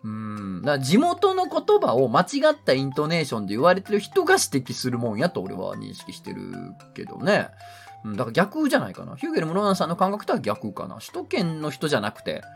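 Kansai man, fast talker, wildly swinging pitch, joking podcast host. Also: creaky, faint music behind. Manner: joking, animated, talks to himself. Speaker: podcast host reading listener mail. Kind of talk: casual radio chat.

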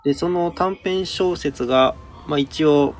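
A man's voice: a little high, a little slow, soft background music. A man speaking as a radio guest, introducing a book politely and a little hesitantly, phrase by phrase. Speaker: guest presenting a book segment.

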